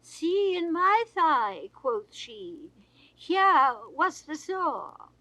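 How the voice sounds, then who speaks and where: In a rough, dry 1960s studio recording without echo, an older woman performs classical verse with a high, slow, very animated voice. Her reading is grandly theatrical, rising in sweeping swells and sinking into hushed falls.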